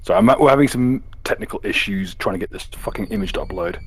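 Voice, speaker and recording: A man's voice: lowish voice, fast talker. A man running a tabletop game as game master, sardonic and swearing freely.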